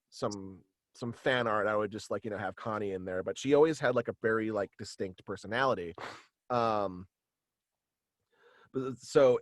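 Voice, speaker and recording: A young man chatting casually as an interview guest, halting and rambling as he explains, on a close studio mic. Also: mid-range voice, dry recording. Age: young adult. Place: small indoor room with acoustic padding, video call. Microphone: close studio mic, headphones.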